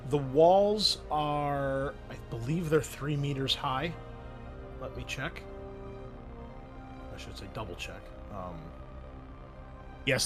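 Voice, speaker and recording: A man narrating a tabletop game as game master, explaining things in an informal, improvised way. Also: mid-range voice.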